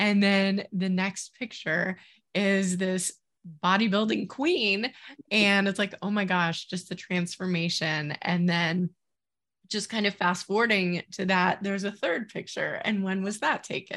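A woman's medium-pitched, plain, everyday voice with an American accent and fairly even intonation. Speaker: podcast host. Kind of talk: interview.

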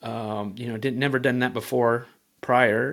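A man's medium-pitched, plain, everyday voice with fairly even intonation. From Los Angeles, California. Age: 40s. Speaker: homesteader and video creator. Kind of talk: interview.

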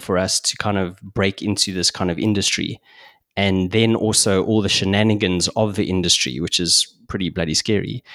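A man with a plain, everyday voice, fairly low in pitch with ordinary pitch variation, at a moderate pace in a dry, close sound with no echo. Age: 40s. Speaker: podcaster and retired investment banker. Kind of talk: casual chat. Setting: video call.

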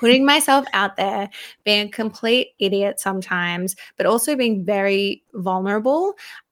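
Someone with an Australian accent speaks at a moderate pace with ordinary pitch variation on a very clean recording with a silent background. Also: woman, medium pitch for a woman. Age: 20s. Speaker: cosmetics business founder and makeup artist. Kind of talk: casual chat. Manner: animated.

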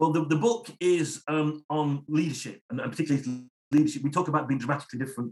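In a northern English accent, a man talks at a very fast pace with a fairly high pitch and ordinary pitch variation. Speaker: business speaker and author. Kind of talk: interview. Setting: video call.

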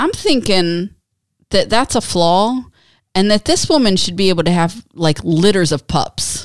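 A woman with an ordinary speaking voice talks at a fairly slow pace and medium pitch, her loudness very even, on a very clean recording with a silent background. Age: 40s. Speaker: podcast co-host. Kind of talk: casual chat.

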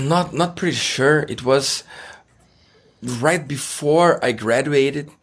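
A man's fairly high voice with a Brazilian accent, very slow and nervous, with ordinary pitch variation and long, frequent pauses. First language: Portuguese. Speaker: online course mentor. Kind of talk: casual interview chat. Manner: halting, nervous.

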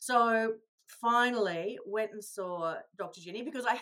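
The woman's voice sits fairly high in pitch and sounds animated. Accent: Australian. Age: 40s. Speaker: journalist and TV presenter. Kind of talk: interview.

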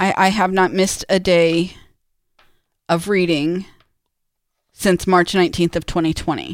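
A woman at a fairly low pitch and a fairly slow pace, in a very clean recording with a silent background. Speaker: podcast co-host and coach. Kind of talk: casual chat. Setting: studio with live stream. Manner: soft-spoken.

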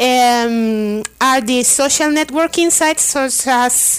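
A woman speaks with a Venezuelan accent. Her high-pitched voice moves at a very slow pace. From Venezuela (Caracas). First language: Spanish. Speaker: journalism student, caller. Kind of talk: recorded voicemail question. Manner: halting.

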